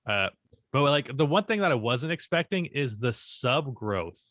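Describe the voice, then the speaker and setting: A young man co-hosting a casual podcast, speaking in an even, unexpressive tone and swearing casually. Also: mid-range voice, a little slow, no room sound. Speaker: podcast co-host and YouTuber.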